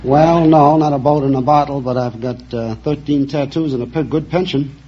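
A man's voice: mid-range voice, steady tone, normal speed, dull audio. Older man from Boston, noisy old radio. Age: 50s. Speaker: quiz contestant.

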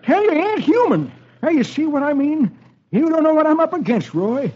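Man putting on a frantic old wagon driver, squeaky high yelps, lively swings in pitch, muffled old radio sound. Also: fairly quick. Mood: agitated. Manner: panicky, yelping high voice. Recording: dull old radio broadcast, faint hiss.

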